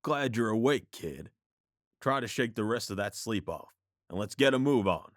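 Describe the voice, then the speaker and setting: An actor playing a calm, calculating man with a laid-back, unhurried manner in an audio drama. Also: fairly low pitch, dry recording, studio quality, lightly acted. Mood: brisk, casual. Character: Frankie, calm calculating man with manic cheer.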